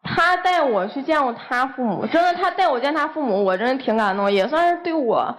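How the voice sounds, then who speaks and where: A woman's voice: high-pitched, expressive, a little fast. A young woman, a guest airing heated, accusing complaints about her boyfriend. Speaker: guest on dating show.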